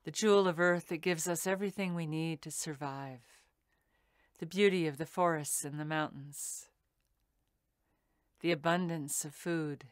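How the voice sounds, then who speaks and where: Slow, low-voiced woman guiding meditation. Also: no echo, studio quality. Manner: slow, soothing, deliberate phrasing with pauses. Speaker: meditation teacher. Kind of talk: guided meditation.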